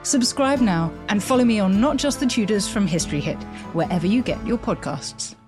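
A woman's voice: mid-range voice, lively intonation, fairly quick, music in the background. Confident woman reading a podcast promo.

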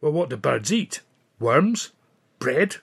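A man's voice: a little high, big pitch swings, slow pace, vocal fry, husky, pitched above the performer's own voice, full character voice. A man voicing a cocky, bossy little Scottish film comedian in an audiobook. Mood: bossy, planning. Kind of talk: audiobook character voice.

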